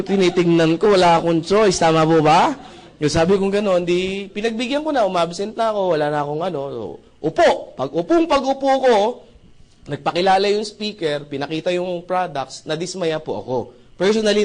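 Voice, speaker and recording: A man speaking at a seminar, telling a lively story. He acts out dialogue and often checks whether the audience agrees. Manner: animated, with jumps in pitch and loudness. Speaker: seminar speaker sharing his testimony. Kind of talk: motivational storytelling talk.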